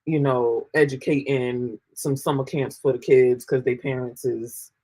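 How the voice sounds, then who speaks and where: A man's voice: medium pitch, fairly even intonation, measured pace, dark tone, low-quality recording. A man with a New York accent co-hosting a casual panel chat, rambling and full of fillers. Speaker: podcast co-host.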